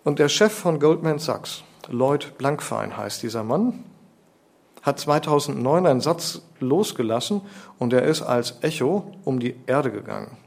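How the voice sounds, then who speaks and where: Male preacher, emphatic, lecturing, rhetorical questions, mid pitch. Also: lively intonation, measured pace, gravelly. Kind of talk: sermon.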